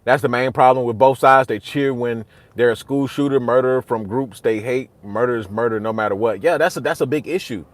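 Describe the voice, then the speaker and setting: A young man on a casual livestream keeps answering his chat heatedly and repetitively, getting loud and high-pitched when worked up. He speaks a little fast with few pauses, and there is no room sound.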